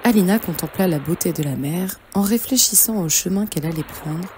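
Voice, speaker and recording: Low, mellow woman narrating fairy tales. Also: fairly quick, a little hiss or hum. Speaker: storyteller. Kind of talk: scripted fairy tale narration. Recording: music behind the voice. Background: background music.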